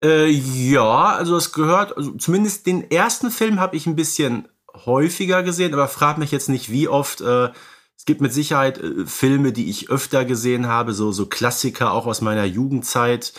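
A middle-aged man talks as a podcast co-host. His voice is medium-pitched, and his delivery is casual and easygoing. He hesitates a little and often qualifies his statements. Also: moderate pace, fairly bright tone. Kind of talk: casual conversational podcast chat.

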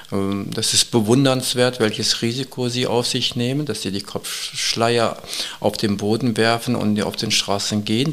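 A man with a low, gravelly voice speaks as an expert guest in an interview. He is earnest and urgent, and he builds his points in measured phrases broken by frequent hesitations and restarts. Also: a bit bright.

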